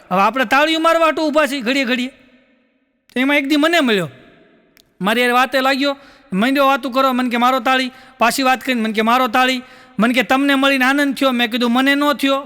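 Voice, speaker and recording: A man tells a stand-up anecdote at a quick clip. His voice is very high and bright, and he keeps repeating his punchlines. A long hall reverb follows him. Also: clear, resonant tone. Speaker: stand-up comedian. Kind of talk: Gujarati stand-up storytelling.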